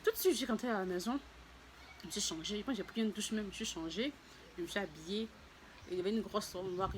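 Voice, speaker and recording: A woman talks to her viewers in a relaxed, personal vlog at an ordinary middle pitch. Her speech is halting: she repeats words and restarts her sentences often. A faint background hum sits under her voice. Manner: voices other people's lines in a raised, lively tone. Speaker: vlogger. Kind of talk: casual personal testimony to viewers.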